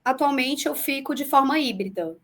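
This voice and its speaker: A woman in her forties talks over a video call with a high, light voice. Her Brazilian accent blends the far south with the northeast. She explains things at a measured pace, dropping small fillers along the way. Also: expressive. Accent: mixed southern Brazilian and northeastern Brazilian Portuguese. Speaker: public defender. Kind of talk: remote interview answers.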